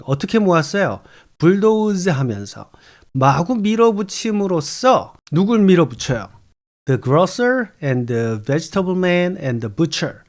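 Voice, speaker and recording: A Korean-speaking man with a fairly high voice teaches an English short story slowly. He reads English phrases very slowly and then explains them in Korean.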